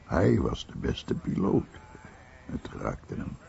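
A man playing an American war veteran in a radio play, recalling his comrade reflectively in a gravelly voice. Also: extremely low pitch, wildly swooping pitch, slow pace, dark tone, full character voice. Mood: wistful reflection. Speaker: voice-over of a veteran's testimony. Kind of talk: documentary radio play monologue. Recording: dull, noisy radio recording.

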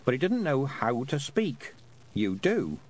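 A man's voice: medium pitch, big pitch swings, unhurried. A man voicing an earnest, brave young girl who speaks with urgency and determination.

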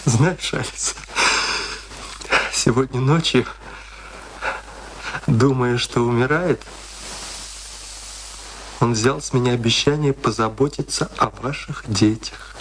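A man's voice: mid-range voice, takes it slowly, long pauses. An earnest, troubled man, noisy recording. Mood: shaken, solemn. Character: conscientious, forgiving male family friend, earnest and troubled. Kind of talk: Russian radio play acting. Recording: noisy old radio drama recording with clicks.

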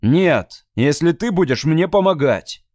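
A man voicing a stern, impatient man who speaks in a sharp, commanding way. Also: on the high side, expressive, measured pace, no echo, clean studio sound, voice pushed up. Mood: excited.

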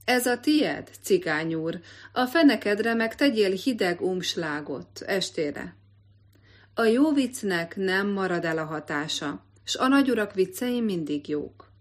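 A woman voicing a haughty, amused young gentleman who teases and talks down loudly. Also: medium pitch, animated, lightly acted. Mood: condescending. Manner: teasing, condescending, loud.

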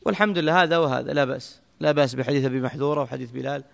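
A man gives classroom commentary at a rapid clip, his voice gravelly with fry. He explains briskly and breaks into quick asides. The sound rings with a long hall reverb. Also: mid-range voice. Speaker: teacher explaining a hadith text. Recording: echoey hall.

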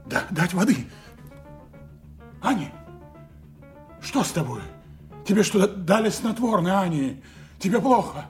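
Agitated, high-voiced man, sweeping intonation. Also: animated, measured pace, pauses often, a little mellow, soft background music. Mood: alarmed, urgent. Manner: emotional, insistent, swinging between coaxing and menace. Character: agitated, domineering secret agent, desperate lover. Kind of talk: audio drama acting.

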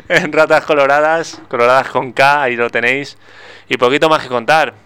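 A man's voice: medium pitch, a little slow, clear, resonant tone. A man with an accent from Spain co-hosting a radio show in a studio, talking in casual, joking banter. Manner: joking, self-mocking, relaxed banter.

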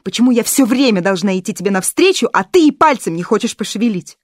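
A woman's voice: mid-range voice, animated, fast, no room sound, clean studio sound, lightly acted. Woman playing a stern, scolding stepmother. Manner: loud, scolding, lecturing.

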